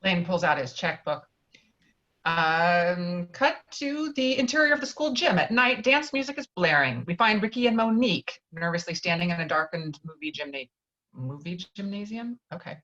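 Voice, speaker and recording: A woman's voice: fairly low pitch, expressive, normal speed, a bit bright, lo-fi sound. A woman reading screenplay stage directions aloud as narrator of a table read.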